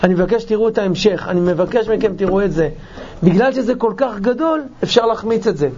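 A man's voice: high-pitched, darkish tone, a little hiss or hum. A man giving a passionate, emotional sermon, mixing in wry humor. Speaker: preacher. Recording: dull lo-fi recording.

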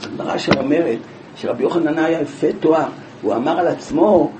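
A man teaching a Talmud class, telling the story with lively rhetorical questions. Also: a little high. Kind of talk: Talmud class, explaining a passage. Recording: echoey room from far off, with background noise.

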